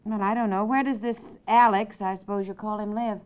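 A woman's voice: mid-range voice, fairly even intonation, brisk, clear, resonant tone, close to an everyday voice. An actress playing a wry, sensible, fretful suburban mother in a naturalistic, conversational 1950s radio comedy. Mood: placating. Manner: conversational, gently wry, dramatizing her worries. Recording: dull vintage 1950s radio recording.

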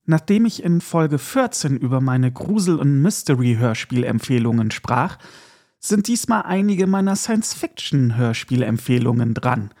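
A man's voice: a little high, a little mellow. A man hosting a casual podcast, talking in a chatty, enthusiastic way with asides and small laughs. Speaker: podcast host.

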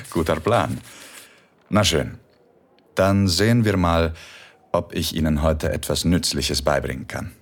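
A man playing a relaxed, self-mocking, middle-aged philosophy professor who tutors in an erotic audio drama, speaking in an easygoing, wry, unhurried way. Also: deep voice, breathy edge, heavily acted. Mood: amused.

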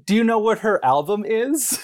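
Animated man, swinging pitch, chatting about films. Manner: halting, with false starts and self-corrections; animated, laughing often while talking. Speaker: podcast guest. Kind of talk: casual comic film discussion.

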